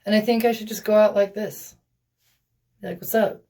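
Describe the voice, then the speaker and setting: Husky young woman rambling nervously. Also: medium pitch, steady tone, moderate pace, mellow. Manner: giggly, rambling and nervous, with lots of swearing. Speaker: vlogger. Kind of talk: casual beauty vlog.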